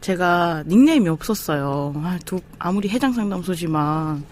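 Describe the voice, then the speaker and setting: A woman's voice: on the low side, lively intonation, normal speed, a little mellow. A woman with a regional Korean accent hosting a podcast, moving between prepared lines and casual banter. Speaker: podcast host. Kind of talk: casual scripted opening and banter.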